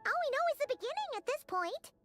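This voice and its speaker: Squeaky tiny fairy sprite. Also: female voice, fast talker, over loud music. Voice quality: very high squeaky childlike voice. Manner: excited, inquisitive. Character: tiny floating female fairy companion, chirpy and curious. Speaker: game character.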